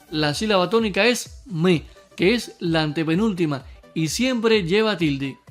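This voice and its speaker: High-voiced man teaching a spelling lesson. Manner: clear, deliberate, addresses the viewer directly, slows to spell out example words.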